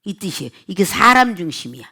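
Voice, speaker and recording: A woman's voice: fast talker, vocal fry. A woman pastor preaching a sermon, acting out quoted speech as she goes. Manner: animated preaching, acts out quoted speech with sharp pitch jumps.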